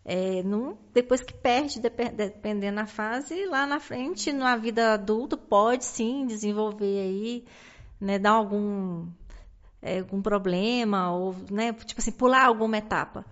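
A woman with a Brazilian Portuguese accent, a podcast guest, telling her story as a mother with many pauses, restarts and tag questions. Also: medium pitch. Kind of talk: personal storytelling in a conversation. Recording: dull lo-fi recording.

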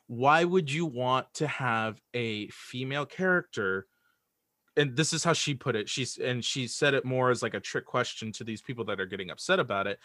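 A man chatting casually as an interview guest, speaking in an animated way and often stammering and restarting his phrases. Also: mid-range voice, no echo, clean studio sound. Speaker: audio drama creator and writer, interview guest.

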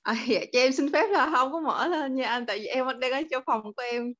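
A woman's voice: sits high, a little fast, fairly bright tone, no room sound. A woman politely asks a teacher a question on a video call, speaking deferentially. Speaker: participant asking a question. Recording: dull lo-fi video call audio.

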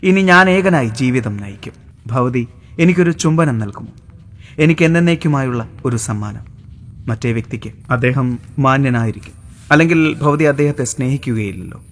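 A man voicing an earnest, courteous young American suitor in an audiobook, speaking gently and formally. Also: mid-range voice, expressive, normal speed, natural voice. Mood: tender.

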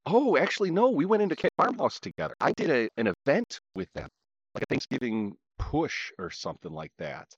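A man on a podcast whose voice comes through a crackly, distorted online call connection, chatting casually and telling stories in an animated way. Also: medium pitch, fairly quick, breathy edge, no room sound, highs cut off. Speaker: podcast co-host.

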